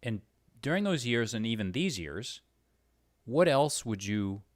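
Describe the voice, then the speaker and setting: A man's voice: medium pitch, very animated, a little slow, no echo, clean studio sound. A man interviewing in a casual conversational way, hesitant and often rephrasing his questions as he goes.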